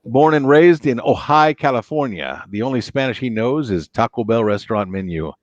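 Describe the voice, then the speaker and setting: A man's voice: medium pitch, animated, normal speed, dry recording. Middle-aged man, American accent, livestream host, casual chat, dry close mic, slightly muffled audio. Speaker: livestream host, former law enforcement officer. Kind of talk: casual chat, reading out viewer comments. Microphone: close microphone on a boom arm.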